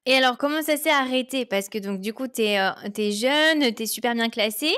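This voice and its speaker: A woman's voice: a little high, normal speed, fairly bright tone, clean tone, no echo, clean studio sound. A woman hosting a podcast, reading a scripted intro and asking interview questions with an upbeat manner. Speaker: podcast host.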